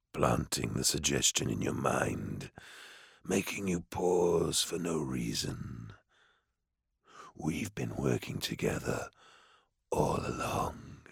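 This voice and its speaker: A demonic host: cavernous, gravelly, unhurried menace. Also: male voice, a bit bright, clean studio sound, heavily acted. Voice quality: very deep gravelly voice, slow and measured. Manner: taunting, intimate, drops into whispers. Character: ancient male demon host, menacing and coldly manipulative. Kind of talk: audiobook character voice.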